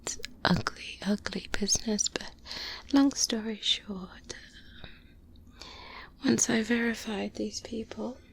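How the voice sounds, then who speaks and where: Grim and confiding, a fairly high-pitched woman whispers as a veteran vampire hunter mentor who is secretive, wry, and pragmatic. Her soft-spoken ASMR roleplay is slow, hushed, breathy, and full of pauses, recorded close on a binaural mic with a little background noise.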